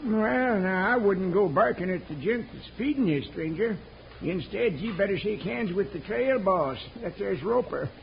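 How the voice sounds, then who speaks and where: An actor playing a folksy, chiding cowhand in a Western radio drama, with a creaky voice. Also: male voice, high-pitched, expressive, normal speed. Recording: dull, hissy old radio recording.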